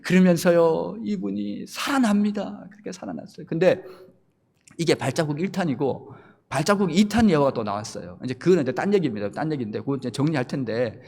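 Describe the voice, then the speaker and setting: Pastor preaching in a reverberant church. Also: male voice, a little high, animated, fast talker, vocal fry. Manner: storytelling sermon that swells from soft to loud. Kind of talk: sermon. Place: church sanctuary.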